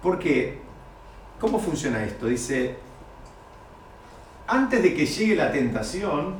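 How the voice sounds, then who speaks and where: A man teaching a Talmud story to students, animated and repeating key phrases. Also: a little high, takes it slowly, slight background noise. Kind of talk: lecture to students. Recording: echoey room, mic far off.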